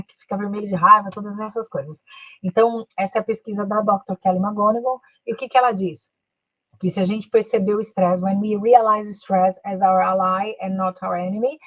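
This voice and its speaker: Lady coaching a live stream, breathy voice, bit muffled and dry, tosses in "né" and "ok" all the time. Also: medium pitch, no room sound. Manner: switches between Portuguese and slow English, frequent "né" and "ok" tags. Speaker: career and English coach. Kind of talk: live online talk, mixing Portuguese and English.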